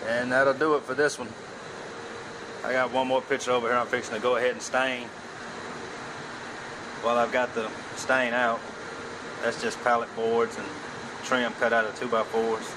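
Man, hobby woodworker, rambling and self-deprecating, phone-recorded outdoors over loud air-conditioner hum. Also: mid-range voice, flat delivery, moderate pace, pauses often. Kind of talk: casual workshop narration.

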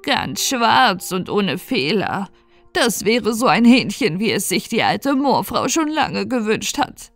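A woman voicing a scheming old witch who coaxes and coos in a sing-song way, with soft music behind. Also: big pitch swings, slow, no echo. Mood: wheedling. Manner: coaxing, sing-song cooing, high and loud. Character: scheming old female witch, sly and wheedling.

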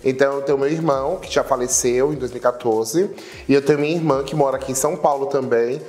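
A man's voice: mid-range voice, quick pace. A man in his twenties from Salvador with a strong Bahian accent, telling stories in a casual interview. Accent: Bahian Portuguese. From Salvador, Bahia, Brazil. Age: 20s. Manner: animated storytelling, gesturing with his hands. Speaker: guest, internet personality. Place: studio room with a sofa, indoors. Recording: echoey room.

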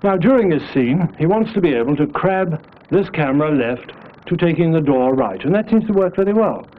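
A man's voice: a little high, animated, brisk. British man narrating, tinny old film sound. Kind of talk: scripted training film narration. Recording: hissy, narrow 1960s film soundtrack.

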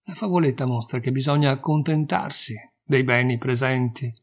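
A man narrates a set of old fables in a calm, measured way, giving each moral plainly. His voice sits at an ordinary middle pitch for a man. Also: slightly rough. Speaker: reader of fables.

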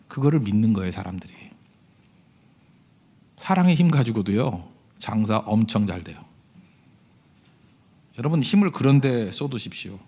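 A male pastor giving a conversational sermon. He tells stories, keeps asking the congregation to agree, and swings from loud emphasis to hushed asides. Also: medium pitch, breathy edge. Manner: conversational storytelling, often asking the congregation "right?".

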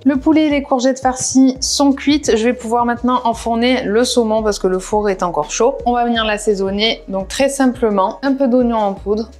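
A woman's voice: a little high, steady tone, moderate pace, hardly any pauses, darkish tone, faint music behind. A woman walking through a recipe step by step in a casual cooking voice-over, with practical asides. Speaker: cooking vlogger. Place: home kitchen.

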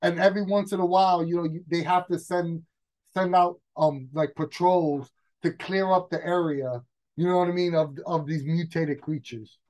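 A man, brainstorming a game scenario as a guest game master in casual chat, talking excitedly with frequent restarts. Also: on the high side, normal speed, rough recording.

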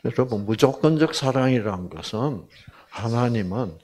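An older man giving a Bible lecture, telling a family story and acting out the quoted voices with big swings. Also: moderate pace. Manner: animated, acts out quotes with big pitch jumps.

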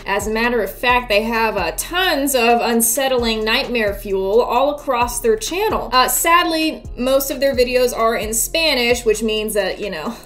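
A woman's voice: on the high side, a little slow, few pauses, a bit bright. A woman in her twenties giving casual, wry and sardonic video commentary, with some casual swearing. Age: 20s. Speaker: YouTube video essayist. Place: small indoor room before a green screen. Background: background music.

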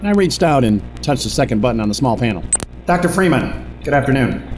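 A man's voice: medium pitch, animated, fairly quick, close to an everyday voice, poor audio. Guy acting fussy wry exec narrating audio drama, pompous, music underneath. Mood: fussy, uneasy. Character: wry, squeamish middle-aged male corporate boss.

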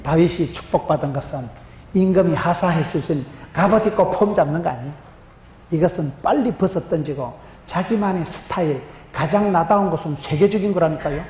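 A middle-aged man with a strong Gyeongsang dialect, preaching an animated, humorous sermon, often dropping low for punchlines. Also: brisk. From Gyeongsangbuk-do, Korea. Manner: emphatic, humorous, gestures a lot, drops to low punchlines. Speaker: pastor. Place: large church stage with chalkboard. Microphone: handheld microphone. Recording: roomy hall reverb, faint noise.

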